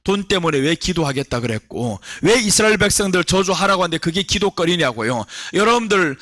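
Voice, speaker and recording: A male pastor preaching a sermon, telling Bible stories with animated delivery and voicing the characters. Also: high voice, fairly quick, dry recording, clean studio sound. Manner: animated storytelling, acting out biblical characters' voices.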